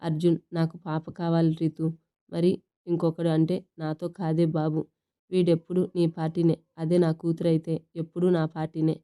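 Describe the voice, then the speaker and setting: A playful young husband who teases his wife about wanting a daughter, as a woman reads him in a storybook. The voice is mellow and smooth, with little rise and fall. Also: sits low, monotone, moderate pace, lightly acted. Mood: teasing.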